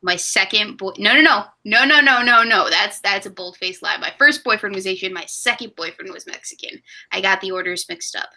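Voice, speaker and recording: A woman's voice: mid-range voice, normal speed, hardly any pauses, pushed and bright. A woman in her twenties hosting a casual live stream, rambling and laughing at herself. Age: 20s. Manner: giggly, rambling, self-mocking. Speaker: stream host.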